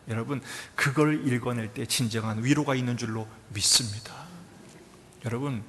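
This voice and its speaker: Man preaching, kinda high bright voice, big reverby church hall. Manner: emphatic preaching with rhetorical questions, rising to loud peaks. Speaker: pastor. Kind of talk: sermon. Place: large church sanctuary. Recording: long hall reverb, faint noise.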